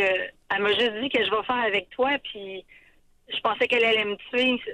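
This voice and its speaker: With a Quebec accent, the speaker has a bright, sharp tone, fairly even intonation and a moderate pace. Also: woman. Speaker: caller. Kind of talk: call-in radio show. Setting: phone call.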